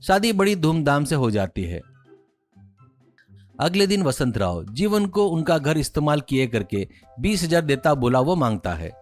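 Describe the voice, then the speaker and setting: An Indian man reads a scripted cartoon moral story. His voice sits fairly high and moves animatedly up and down. Faint music plays behind him. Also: sing-song, measured pace. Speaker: story narrator.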